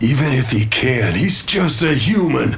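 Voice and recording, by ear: A man's cartoonish character voice at medium pitch and a moderate pace, over clear background noise.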